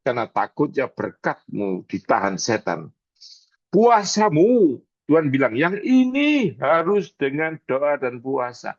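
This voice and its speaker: Slow, emphatic pastor from East Java. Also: male voice, medium pitch, big pitch swings, no echo. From East Java, Indonesia. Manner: slow, emphatic, dramatic retelling, mixes in English words. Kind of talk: emotional sermon and prayer. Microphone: video call. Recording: dry, dull video-call audio.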